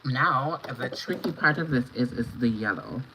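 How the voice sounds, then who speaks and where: A woman from Antigua and Barbuda, hoarse from a cold, talking viewers through a makeup look on a livestream. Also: very deep voice, expressive, moderate pace, pushed and bright. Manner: chatty, instructional, greets viewers by name. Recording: dull lo-fi stream audio with clear background noise.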